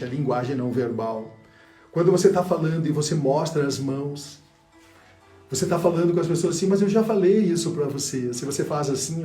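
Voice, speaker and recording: A man teaching a public speaking lesson, demonstrating by shifting his loudness and pausing for effect. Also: mid-range voice, roomy sound, distant mic. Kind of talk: speech course lesson.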